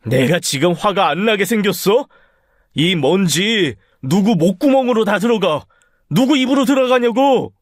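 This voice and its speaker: A man's voice: sits high, lively intonation, normal speed, no room sound, studio quality. A man voicing an irritable, sick middle-aged husband who harshly scolds his wife in a radio story drama. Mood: nagging. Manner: harsh, nagging, rising to shouts.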